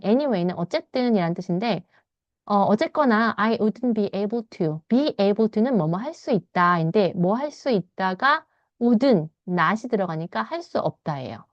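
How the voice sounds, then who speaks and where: A Korean woman teaching English by reading a novel aloud. She reads English lines slowly and explains them in fast Korean, sometimes acting out the characters in a higher voice. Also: lively intonation, dry recording, muffled recording. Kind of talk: bilingual read-aloud lesson, explaining a novel.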